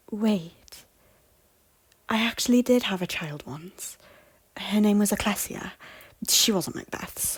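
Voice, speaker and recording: A woman playing an anguished, guilt-ridden noblewoman in an audio drama, with a breathy, often hushed voice and a halting, emotional delivery. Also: mid-range voice, dry recording. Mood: grieving confession. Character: anguished, guilt-ridden noblewoman, Macbeth's wife, fragile but defiant.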